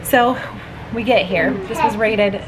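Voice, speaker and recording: A woman in her thirties films a family road trip vlog at arm's length inside a car, chatting upbeat to the handheld camera in a medium-pitched, slightly slow voice full of fillers. Loud road and engine noise fills the recording.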